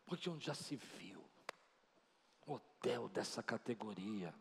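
Preaching with an unhurried, expressive delivery, this man has a lowish, creaky voice, with a faint hiss or hum in the background. He's a pastor who tells stories with animation and imitates others' voices, and the sound carries the long reverb of a big hall.

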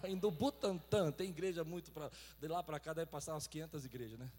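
A man with a Brazilian Portuguese accent preaching a fervent sermon, shouting out lines and then dropping to hushed storytelling. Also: a little high, brisk, breathy edge. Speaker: pastor. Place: large church hall. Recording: long reverb of a big church hall.

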